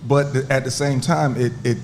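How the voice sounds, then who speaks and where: A man hosting a casual interview, playful and excitable, laughing often as he reacts. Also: medium pitch, moderate pace, a little hiss or hum. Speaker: interview host.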